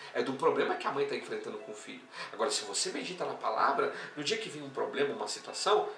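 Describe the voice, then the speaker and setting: Brief: male Brazilian apostle-teacher, sermon delivery, bright voice, echoey room. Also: medium pitch, a little hiss or hum. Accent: Brazilian Portuguese. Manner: animated, swings between loud exclamations and quiet storytelling. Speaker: apostle teaching a theology class. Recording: echoey room, voice somewhat far from the mic, faint music.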